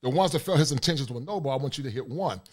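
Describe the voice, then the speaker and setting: Middle-aged male livestream host, deep forceful voice, preachy monologue. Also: expressive, very fast. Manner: forceful, preachy, reads chat aloud. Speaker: host of a livestream talk show.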